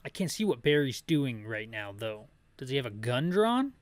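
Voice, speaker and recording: A man's voice: mid-range voice, very animated, moderate pace, dry recording. A man giving descriptive video game commentary, casual and rambling, with wry asides and opinions. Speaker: video game playthrough narrator.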